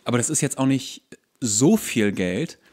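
A man's voice: mid-range voice, expressive, a little slow, darkish tone. Man explaining things in casual chat. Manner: explanatory, colloquial. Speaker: podcast host. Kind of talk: casual ranting podcast chat.

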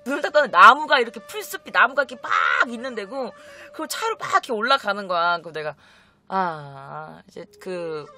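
A young woman casually telling a personal story to her viewers, acting out the voices of her relatives as she goes. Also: medium pitch. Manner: animated, acts out quoted relatives in shifting voices. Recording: faint music behind.

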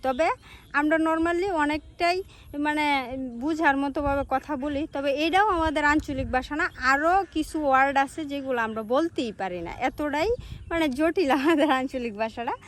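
High-voiced Netrokona-accented young woman. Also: moderate pace. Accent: Netrokona Bengali. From Netrokona, Bangladesh. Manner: earnest, reflective storytelling. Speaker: social media creator. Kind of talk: personal talking-to-camera vlog.

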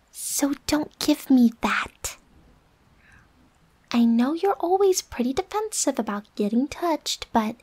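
A woman acts out a young tsundere roommate in an ASMR roleplay, her voice set high. She is huffy and bossy, quick to get defensive, with a secret soft side and breathy whispered asides. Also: exaggerated voice. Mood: annoyed, teasing.

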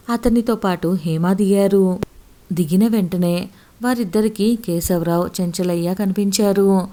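Warm-toned woman narrating a story. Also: on the low side. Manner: steady, expressive reading.

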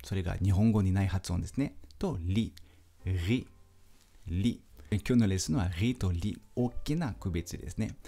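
A man teaching a pronunciation lesson, speaking slowly and patiently and repeating sounds for the listener to pick out. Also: fairly low pitch, vocal fry, dark tone, soft background music. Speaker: French teacher. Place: language school.

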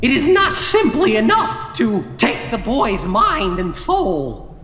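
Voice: medium pitch, wildly swooping pitch, takes it slowly, fairly bright tone, echoey room, in a large hall, soft background music, voice pushed up, heavily acted. A game master voicing a haughty, gloating villain who schemes and lectures an underling in a fantasy audio game.

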